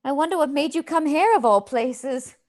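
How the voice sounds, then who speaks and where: A woman's voice: high-pitched, animated, moderate pace, darkish tone. A woman playing a devoted, anxious young friend in a live radio play, with an emotional, solicitous manner. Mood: concerned.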